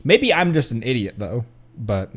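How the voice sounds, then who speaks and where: A man's voice: medium pitch, sing-song, moderate pace. A man streaming a game, giving casual, playful, quippy commentary and echoing lines from it. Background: faint game music.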